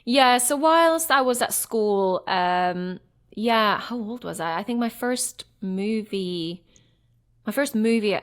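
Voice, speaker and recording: A woman's voice: medium pitch, lively intonation, takes it slowly, clean tone. A woman in her thirties from Norway, an actress chatting as an interview guest, reflective and full of fillers and restarts. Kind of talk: casual interview chat.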